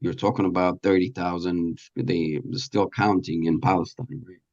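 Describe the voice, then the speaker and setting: A man being interviewed, explaining earnestly in a halting, deliberate way with pauses mid-sentence. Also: sits low, fairly even intonation, darkish tone, muffled recording. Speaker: radio presenter and producer being interviewed.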